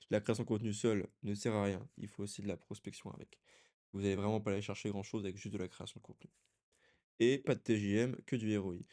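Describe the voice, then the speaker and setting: A man's voice: lowish voice, dark tone. A young man coaching freelancers in a loose, conversational talking-head lesson, often restarting his sentences.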